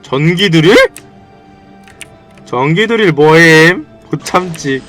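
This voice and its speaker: A male game streamer giving excitable, playful let's-play commentary, full of slangy quips and sudden shouts. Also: fairly high pitch, takes it slowly. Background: faint game music.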